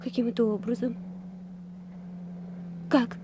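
A woman's voice: a little high, level tone, slow pace, background noise. An actress playing a brave, defiant young girl, an officer's daughter, earnest in a radio drama style. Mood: wary. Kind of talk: Soviet radio drama acting. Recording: old radio drama with background music.

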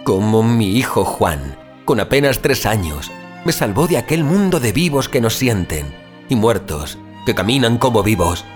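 Man acting an anguished, deep-voiced coma survivor. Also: big pitch swings, soft background music. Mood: solemn, reflective. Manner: halting, brooding, melodramatic. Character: anguished injured father waking from a long coma. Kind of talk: dramatic first-person audio fiction monologue.

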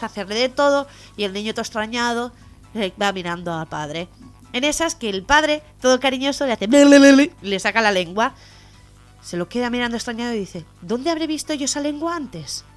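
A woman co-hosting a local radio comedy show with a Catalan Spanish accent, telling jokes with lively acted-out voices. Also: a little high. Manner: lively joke-telling, acting out the lines of the joke characters. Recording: radio show with faint music behind.

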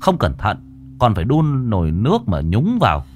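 A man narrates a horror tale in a deep voice. His delivery swings widely in pitch as he dwells on grisly details. Faint music runs quietly underneath. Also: moderate pace. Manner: vivid, lively storytelling. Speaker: storyteller.

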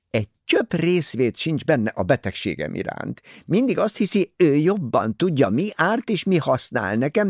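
A man's voice: a little high, vocal fry, darkish tone, no room sound, studio quality, pitched above the performer's own voice, exaggerated voice. A man voicing an overbearing, self-pitying older woman novelist who talks insistently and complains.

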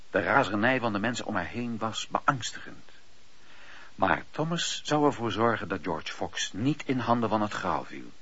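A man narrating a radio play in a dramatic, scripted storytelling style, with a husky voice. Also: fairly low pitch, fairly bright tone. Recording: dull, lo-fi radio play recording.

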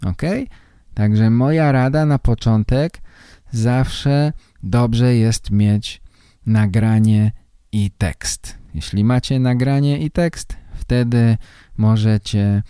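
A man hosting as a language teacher, giving instructional talk in deliberate, simple phrases and repeating his key points. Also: mid-range voice, mellow, smooth, no room sound, studio quality. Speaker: language teacher and podcast host.

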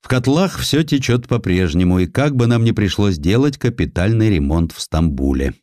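A man's voice: on the low side, expressive, normal speed, mellow, dry recording, clean studio sound, natural voice. A man voicing a self-willed, scornful German admiral in an audiobook, commanding and sardonic. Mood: businesslike. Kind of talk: audiobook character acting.

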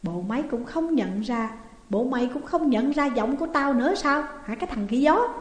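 A woman's voice: sits high, expressive, moderate pace, voice pushed up. A woman voicing a brash, cocky young man. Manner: brash and teasing. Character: carefree, cocky young man who laughs loudly. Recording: echoey room with long reverb.

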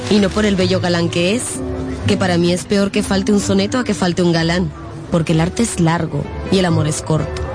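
An actress playing a witty, confident young gypsy fortune-teller in a radio drama, articulate and teasing. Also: female voice, lowish voice, steady tone, fairly quick, music in the background, natural voice. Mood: gracious. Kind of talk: Spanish-language radio drama acting.

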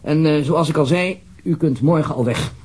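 A man's voice: a little high, moderate pace, a little mellow, breathy edge. A man with a Netherlands Dutch accent playing an uneasy, formal government official in a radio drama, wordy and hesitant. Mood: businesslike, urgent.

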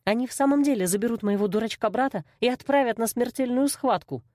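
A woman's voice: on the high side, fast, darkish tone, no room sound, studio quality. A woman reading a first-person novel aloud with emotional expression. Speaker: audiobook narrator. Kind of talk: first-person audiobook narration.

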